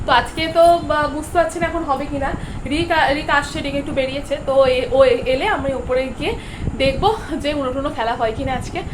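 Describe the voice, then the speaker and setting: A woman's voice: high-pitched, steady tone, quick pace. A young woman vlogging her day in a chatty way, mixing in English words, filmed on a phone at home and on busy streets. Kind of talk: casual daily vlog chat. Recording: noisy street and room background.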